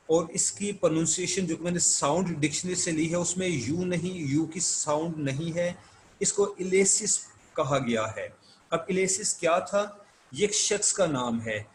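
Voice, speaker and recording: A man giving an online literature lecture, explaining notes step by step and reading English passages out slowly. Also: a little high, a little hiss or hum, rough recording. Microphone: screen-share recording.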